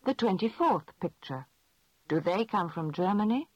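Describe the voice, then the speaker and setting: A woman asking measured, clearly spoken questions in a scripted language lesson drill. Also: medium pitch, expressive, no echo. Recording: dull lo-fi dry recording.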